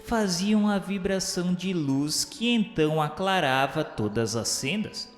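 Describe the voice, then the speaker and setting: A man's voice: high-pitched, expressive, measured pace. A man with a Brazilian accent narrating a radio drama from a script in a solemn, formal, declamatory way. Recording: echoey long reverb, music underneath. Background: music.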